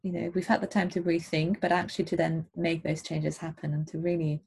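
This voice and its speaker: A woman from Germany, a guest on a video call, talking in a thoughtful, hesitant way with many pauses. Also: fairly low pitch, little pitch movement, creaky, a little mellow, slightly rough. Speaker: interview guest. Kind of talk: casual chat. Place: home on a small island.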